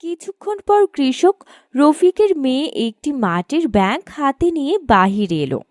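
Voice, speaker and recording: A woman's voice: high voice, very animated, normal speed, background noise. A woman narrating a scripted cartoon story as a storyteller.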